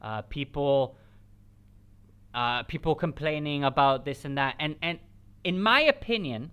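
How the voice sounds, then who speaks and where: A host of a live football watch-along stream, whose first language is Spanish, chats casually through the match and answers viewers in a rambling, halting style, restarting often and switching between English and French. The voice is medium-pitched, smooth and a bit bright, with lively intonation.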